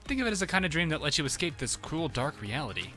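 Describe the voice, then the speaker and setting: A man's voice: a little high, very animated, quick pace, pushed and bright, faint music behind. A man doing a sly, sing-song bear mascot. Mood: gleeful teasing. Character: mischievous male bear mascot, gleeful, teasing. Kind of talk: reading game dialogue in voice.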